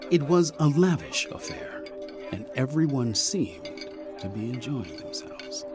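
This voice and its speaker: A man's voice: medium pitch, expressive, measured pace, over loud music, lightly acted. A man narrating a scripted audio drama as an arch, dramatic storyteller.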